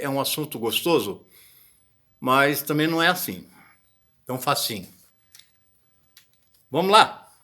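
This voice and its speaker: A man's voice: on the high side, pushed and bright. A man giving a casual video lesson on botanical Latin, chatty and often searching for words. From Brazil. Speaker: botany teacher.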